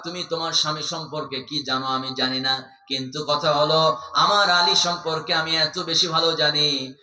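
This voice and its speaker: Fervent young preacher, echoey loudspeakers. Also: male voice, a little high. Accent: Bangladeshi Bengali. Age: young adult. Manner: fervent storytelling waz delivery, swinging between loud cries and hushed tones. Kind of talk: sermon.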